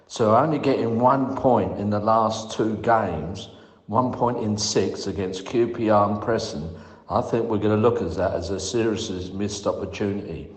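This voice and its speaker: A man's voice: on the low side, normal speed. A man leaving a voicemail for a podcast, giving a methodical, critical fan's opinion point by point. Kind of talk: prepared point-by-point match opinion. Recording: echoey, reverberant room voicemail.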